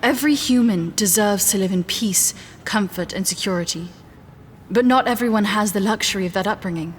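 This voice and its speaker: A woman's voice: medium pitch, a little hiss or hum, lightly acted. An actress playing a poised, idealistic woman scientist who is gracious in public, in an audio drama. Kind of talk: audio fiction acting. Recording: loud music bed behind the voice.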